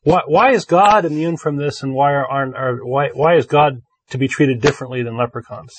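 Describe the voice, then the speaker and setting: A man co-hosting a call-in show, debating casually and haltingly, often repeating the start of his phrases. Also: mid-range voice, husky, no room sound.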